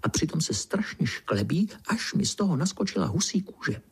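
A man voicing a timid, gossipy female tree frog in a bedtime story, talking in a hushed, breathless whisper. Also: fairly high pitch, big pitch swings, creaky, breathy edge, voice pushed up, full character voice. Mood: secretive.

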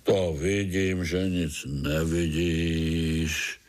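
A man voicing a grumpy old male earthworm who grumbles gruffly. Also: sits low, level tone, a little mellow, voice pushed down, close to an everyday voice.

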